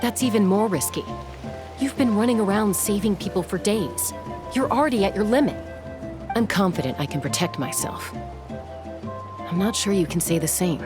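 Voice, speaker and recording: A woman's voice: medium pitch, lively intonation, normal speed, pauses often, natural voice. A woman voicing a confident, protective young tribal scout in a video game, with a cool, matter-of-fact, tactical manner. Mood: exasperated. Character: confident, capable young tribeswoman scout, protective older sister. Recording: game music behind the voice.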